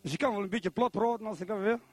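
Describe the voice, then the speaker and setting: A middle-aged man from Zwolle preaching a sermon in church, animated and constantly putting questions to the congregation. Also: high-pitched, quick pace, no room sound, faint music behind. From Netherlands, Zwolle.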